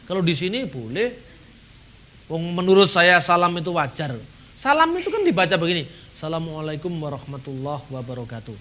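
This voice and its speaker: A middle-aged man from Indonesia giving an animated seminar talk, acting out dialogues and chuckling now and then. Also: fairly high pitch, a little fast. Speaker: seminar speaker.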